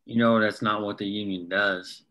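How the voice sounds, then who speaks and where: A man's voice: on the low side, steady tone, normal speed, pushed and bright. A man reading the part of a blunt, plain-spoken union coal miner in a drama table read. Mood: matter-of-fact.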